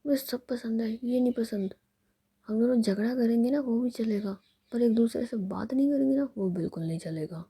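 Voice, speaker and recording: A smug, teasing young woman who sulks on purpose to win her partner back, as a woman whispers her lines. The whispered role-play sounds husky and dark, with a gravelly edge. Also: on the high side, normal speed. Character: sulky, teasing young woman, proud lover.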